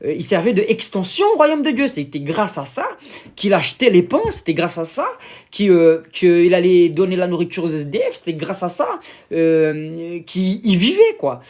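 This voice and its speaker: Brazilian man preaching in French, halting. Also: sits high, very animated, darkish tone. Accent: Brazilian Portuguese. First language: Portuguese. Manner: hesitant, many fillers, searching for words. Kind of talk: informal sermon to camera.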